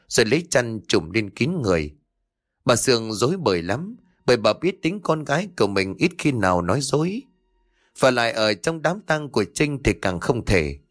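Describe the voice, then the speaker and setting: A man narrating a ghost story in a steady, suspenseful storytelling voice. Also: medium pitch, no room sound, studio quality. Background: faint music.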